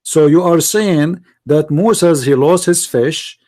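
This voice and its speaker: A man's voice: on the high side, slow pace, a little mellow. A man with an Arabic accent, a native Arabic speaker, hosting a heated religious debate in a confrontational, insistent way, repeating his phrases and questions. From Middle East.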